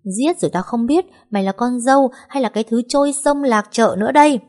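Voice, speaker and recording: A woman voicing a harsh older mother-in-law, sharp and contemptuous. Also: mid-range voice, expressive, moderate pace, natural voice. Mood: scornful.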